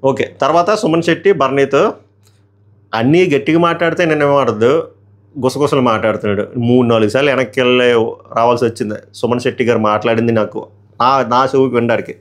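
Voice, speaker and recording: A man talks through a reality show episode in a loose, mocking recap. His voice sits at an ordinary middle pitch. He throws in raised-voice impressions of the contestants between his own comments. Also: steady tone, a little fast. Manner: sarcastic, mimics housemates in raised voices.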